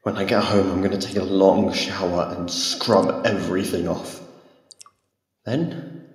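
A man playing a frightened, humiliated young captive in an ASMR roleplay, halting and timid, with a gravelly voice. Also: low voice, fairly even intonation. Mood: weary, dazed. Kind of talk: ASMR roleplay audio drama. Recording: echoey, long cavernous reverb.

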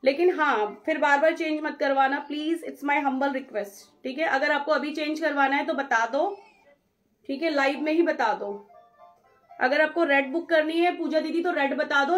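A young woman with a high, bright voice runs a live sale, calling out viewers' names and booking orders at a brisk pace. She chats casually and mixes English phrases into her Hindi. Faint music plays behind her. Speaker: saree seller on live stream. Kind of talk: live-stream sales chat.

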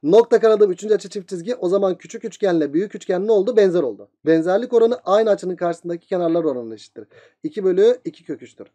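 Fast-talking male geometry teacher. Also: high-pitched, dark tone. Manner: very fast talker, voicing student questions himself. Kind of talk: geometry lesson.

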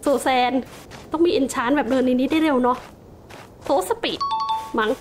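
High-voiced chatty woman gamer. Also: moderate pace. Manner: chatty, startled exclamations, talks to game mobs. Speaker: gaming channel host. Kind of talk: casual game commentary. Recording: music playing behind the voice.

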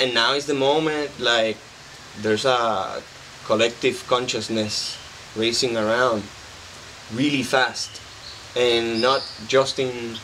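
Slow bright-voiced young man. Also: mid-range voice, slight background noise, rough recording. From Puerto Rico. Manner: slow, earnest, with many fillers. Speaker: volunteer builder. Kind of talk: interview answers. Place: outdoors by a bottle wall.

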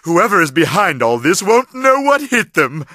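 A man's voice: high-pitched, very animated, moderate pace, pushed and bright, no room sound, clean studio sound, heavily acted. A man voicing a vain, exasperated big-headed mad scientist villain in a video game, with a theatrical, whiny, irritable delivery. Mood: pleased. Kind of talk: animated video game character acting.

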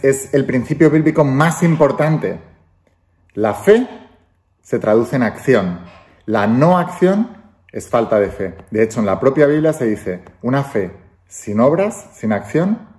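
A man's voice: medium pitch, a little mellow. A man gives an emphatic, preachy motivational talk straight into a phone camera, repeating phrases for effect. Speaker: motivational speaker. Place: indoor room with wooden ceiling and windows. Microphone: phone camera held close.

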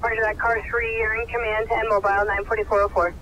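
A man's voice: sits high, level tone, quick pace, bright, forceful tone. A man working as a fire dispatcher, heard over a radio, reading back calls and times in clipped dispatch style. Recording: muffled radio with static noise.

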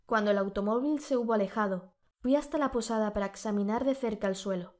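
Brief: Spanish-accented woman, audiobook narrator, measured and steady, throat a bit sore. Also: medium pitch. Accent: Spain Spanish.

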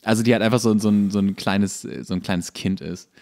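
Low-voiced man in casual podcast chat. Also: steady tone, fairly quick, creaky, a little mellow. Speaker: podcast co-host. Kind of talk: casual chat, explaining a TV series.

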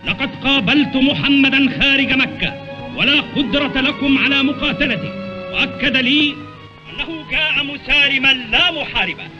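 A man's voice: extremely high pitch, moderate pace, lo-fi sound, music in the background. A man acting a dignified middle-aged tribal chief, proclaiming in classical Arabic film style. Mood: authoritative. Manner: proclaiming to a crowd.

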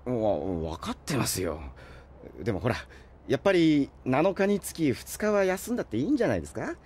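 Flustered young man, husky and animated. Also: fairly high pitch, a little fast. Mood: flustered, hopeful. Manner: flustered, stammering, deferential. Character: timid, eager young male subordinate with a crush. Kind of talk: Japanese audio drama acting.

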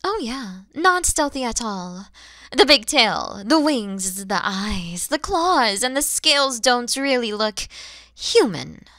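Woman voicing a bright, expressive motherly dragon lady. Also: fairly high pitch, takes it slowly, dry recording, studio quality, heavily acted. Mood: proud, playful. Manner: expressive, teasing, gentle, addressing the listener directly. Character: kind motherly dragon woman, mature, playful, easily flustered. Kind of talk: ASMR audio roleplay acting.

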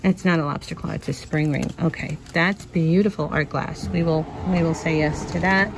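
A woman with a gravelly, slightly low voice talks her way unhurriedly through shelves of vintage jewelry. She thinks aloud and makes chatty asides, recorded inside a shop with a faint hiss of noise behind her. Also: steady tone, moderate pace. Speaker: vintage reseller vlogger. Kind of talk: casual thrifting narration. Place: inside a cluttered antique store.

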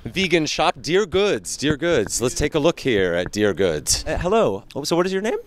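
A man's voice: on the high side, very animated, normal speed. A man in his thirties hosting a casual on-location tour, asking questions, echoing answers and giving enthusiastic compliments into a handheld mic. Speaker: host and interviewer. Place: inside shops and on a city street. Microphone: handheld microphone.

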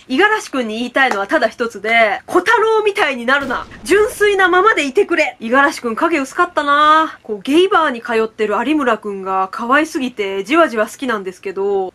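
A woman with a light lilt gushes through a casual game review. Her high voice swoops all over the place as she piles on excited asides. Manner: excitable, gushing, quick asides and laughs. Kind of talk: casual fan review chat.

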